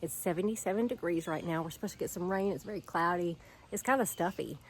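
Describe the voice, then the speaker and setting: A woman's voice: fairly low pitch, fast, breathy edge. Chatty Southern woman with a head cold. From Alabama Gulf Coast, US. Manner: chatty and rambling, many fillers. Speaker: gardening vlogger. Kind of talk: casual walking garden tour. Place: outdoor home garden.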